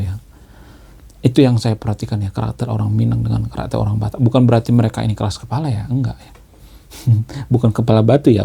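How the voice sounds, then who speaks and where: Gravelly, husky man lecturing. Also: medium pitch, dark tone. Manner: explanatory, ends phrases with a tag "ya"; leisurely, repeats key words. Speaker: commentator. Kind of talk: monologue commentary.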